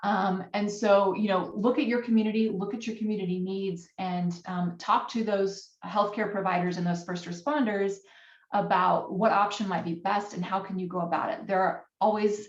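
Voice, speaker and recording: The intonation stays fairly even, with audible room echo. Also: woman, medium pitch for a woman. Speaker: presenter from state prescription monitoring program. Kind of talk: webinar presentation. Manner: fast; halting with many fillers.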